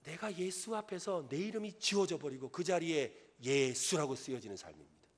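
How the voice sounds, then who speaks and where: A middle-aged man preaching a sermon as pastor in a church, earnest, rising to loud emphatic peaks. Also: fairly high pitch, lively intonation, moderate pace. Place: church sanctuary.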